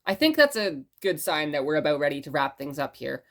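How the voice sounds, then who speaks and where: A woman acting as a gentle radio host in an audio drama, telling stories in a musing, conversational way. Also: deep voice, very animated, fairly quick. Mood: rambling, musing. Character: rambling, gentle blind radio station host.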